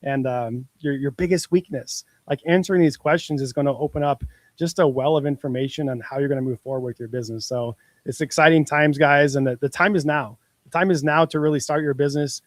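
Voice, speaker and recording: Upbeat podcast cohost guy, encouraging, bit higher voice, dry close mic. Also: fairly quick, no room sound. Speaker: podcast co-host. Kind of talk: casual business podcast chat.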